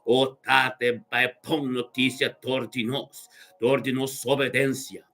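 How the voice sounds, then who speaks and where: A man's voice: mid-range voice, level tone, slow pace, fairly bright tone. A man leading a fervent, improvised Christian prayer, repeating phrases and often breaking in with short exclamations of praise. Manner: repetitive, with frequent interjected praise exclamations. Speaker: prayer leader. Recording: music playing behind the voice. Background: music.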